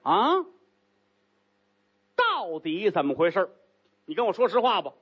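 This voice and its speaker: A man voicing a haughty, commanding rich young concubine, speaking low and cool in a storytelling act. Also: huge pitch swings, measured pace, husky, highs cut off, heavily acted. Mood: stern, commanding.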